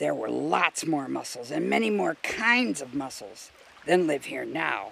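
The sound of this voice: A man's put-on character voice, fairly high and fairly slow, with a fairly bright tone, a slightly husky edge, big pitch swings and vocal fry.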